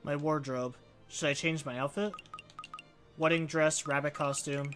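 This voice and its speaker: A man's voice: a little high, steady tone, unhurried, a bit bright. A man giving casual, wry, conversational commentary as he plays through a game on stream. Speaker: let's play streamer. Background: game music.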